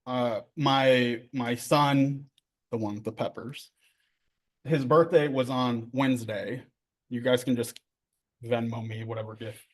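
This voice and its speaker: A middle-aged man with a relaxed drawl leads a therapy training session. He talks in an easygoing, joking way, checking in with his listeners and filling pauses as he explains ideas. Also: mid-range voice. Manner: conversational, joking, many fillers and tag questions. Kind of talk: casual workshop lecture.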